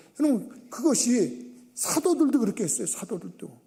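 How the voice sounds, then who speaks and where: Male voice with audible room echo. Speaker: pastor. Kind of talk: sermon. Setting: church. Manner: fast.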